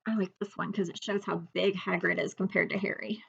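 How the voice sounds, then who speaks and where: A woman librarian reading a chapter book aloud to children in an expressive storytelling style. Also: mid-range voice, a little fast, creaky, husky. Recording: slightly dull lo-fi home recording.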